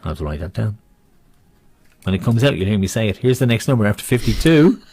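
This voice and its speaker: A man with a husky voice acts as bingo caller and host. His pitch swings in a lively way as he calls numbers with rhyming nicknames, drifting into jokey, rambling chat between calls. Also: fast talker, no echo. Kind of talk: bingo calling with rhyming nicknames, casual banter.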